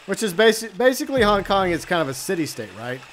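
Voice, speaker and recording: Chatty, slightly high-voiced streamer man. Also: sing-song, quick pace, fairly bright tone, slight background noise. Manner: rambling, chatty, many fillers and asides. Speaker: streamer host. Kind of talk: casual live-stream gaming chat.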